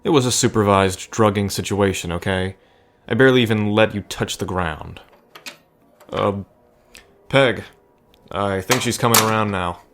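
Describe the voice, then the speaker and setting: A man playing a gentle, nervous bartender who rambles earnestly and hesitantly, in an intimate audio drama. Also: fairly low pitch, normal speed. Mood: concerned, reassuring. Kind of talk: intimate audio drama acting addressed to listener.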